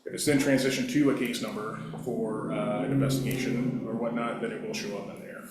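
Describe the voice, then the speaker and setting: Police captain, man, quick and monotone, lower voice, heavy room echo with a crowd behind. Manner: brisk, flat, procedural. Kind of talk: official briefing. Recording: very echoey room, murmur of people.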